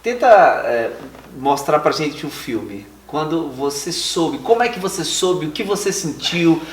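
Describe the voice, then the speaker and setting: A man hosting an interview, asking encouraging questions and following up quickly. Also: a little high, very animated, a little hiss or hum. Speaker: host, teacher interviewing a guest. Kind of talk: conversational interview. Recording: echoey room, mic from a distance.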